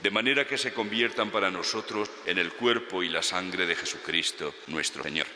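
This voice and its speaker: A man, a Catholic priest, reciting Mass prayers solemnly in measured, formal phrases with a cathedral echo. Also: deep voice, bright, forceful tone, a little hiss or hum. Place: large reverberant church. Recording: cathedral-like echo, long reverberant church acoustics.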